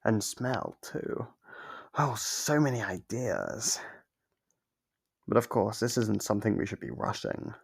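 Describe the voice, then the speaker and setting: Man voicing a gravelly, sadistic monster captor. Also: lowish voice, sing-song, takes it slowly, long pauses, full character voice. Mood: musing, pleased. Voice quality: gravelly, husky. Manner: menacing, theatrical, musing aloud. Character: sadistic, playful male monster captor toying with human prey. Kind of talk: ASMR horror roleplay, monologue to listener.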